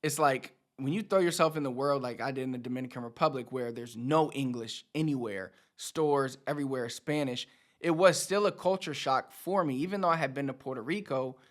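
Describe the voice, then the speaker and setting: His voice is medium in pitch and fairly quick. The thirty-something Spanish teacher hosts his channel with a casual motivational talk to camera, conversational and leaning on repetition for emphasis.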